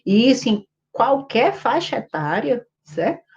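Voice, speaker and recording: A woman teaching parents about baby sleep in a casual talk to camera, pausing often on fillers and checking that listeners follow. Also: big pitch swings, darkish tone. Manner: many hesitant fillers, rhetorical checks with listeners; sing-song high voice when soothing a baby. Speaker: infant sleep educator. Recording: dull lo-fi audio.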